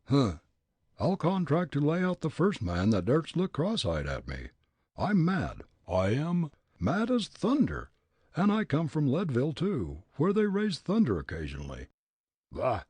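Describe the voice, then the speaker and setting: Here is a furious old moneyed gentleman, as a male narrator puts him on, who blusters and barks with loud, high-flung outrage. The voice is husky and recorded close and dry. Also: huge pitch swings, measured pace, dry recording, full character voice. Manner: blustering, shouting indignantly. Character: angry elderly rich man, gruff and blustering.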